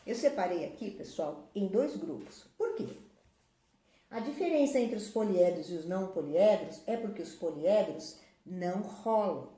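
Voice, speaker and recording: A woman's voice: mid-range voice, expressive, normal speed, warm tone. A woman teaching a children's math lesson, patiently explaining shapes while pointing at objects. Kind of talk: classroom video lesson. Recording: echoey room.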